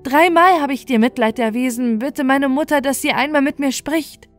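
A woman's voice: high-pitched, moderate pace, voice pushed up, lightly acted. Fairy-tale storybook role: humble young prince, remorseful, emphatic pleading, played by a woman, music behind.

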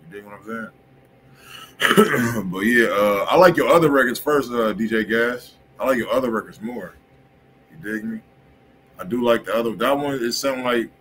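A man with a fairly low voice talks loosely and casually as he reviews tracks on a livestream, peppering his talk with slang and quick check-ins. He sits at a desk in a home studio room. A faint hiss of room noise sits under his voice. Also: bright, forceful tone. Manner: laid-back slangy talk, keeps asking "you feel me". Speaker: music review show host.

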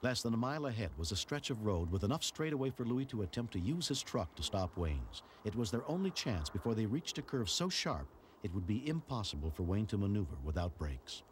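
A man's voice: lowish voice, very animated, a little fast, hardly any pauses. A man giving scripted documentary narration in a dramatic manner. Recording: loud background noise.

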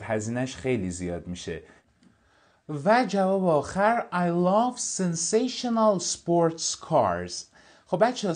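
A man with a Persian accent runs a relaxed English lesson, and his pitch rises and falls a lot. He reads English phrases slowly and with care, then rattles off quick explanations. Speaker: English teacher. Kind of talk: casual lesson explaining a textbook.

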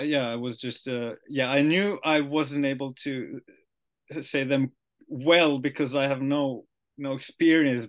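A young man with a Finnish accent hosts a relaxed video-call chat. He speaks at an unhurried pace, pausing as he sounds out unfamiliar words, his voice of middling pitch in a small indoor room. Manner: slow, hesitant, trying out new words. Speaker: podcast host. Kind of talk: casual video-call interview.

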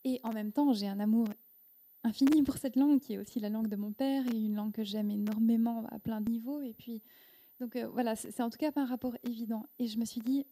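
A woman in her thirties whose first language is Korean, answering interview questions at a live event into a handheld mic, thoughtful and halting with frequent restarts. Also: fairly high pitch, fairly even intonation, dark tone. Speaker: guest author. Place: indoor event room with audience. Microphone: handheld microphone.

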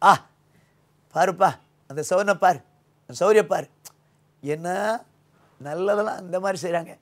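At a measured pace, an older pastor with a Tamil accent preaches, his voice ranging from loud emphasis to quiet, low lines. He's in a small indoor studio wearing a lapel mic.

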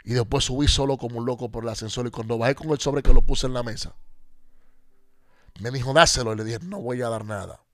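A man, a pastor on a Christian radio show, giving an animated personal testimony and acting out the dialogue as he tells it. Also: medium pitch, brisk, no echo, studio quality.

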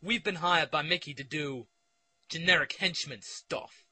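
A man voicing an awkward, deadpan young henchman in a fan parody dub. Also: fairly high pitch, a little slow, breathy edge, exaggerated voice.

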